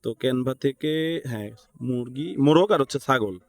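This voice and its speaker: Speaking in a mid-range voice at a normal speed, a tutorial instructor with a Bangladeshi accent walks through each step casually and without a script. He thinks aloud as he goes and often seeks agreement with quick tag questions, in a dry recording with little room echo.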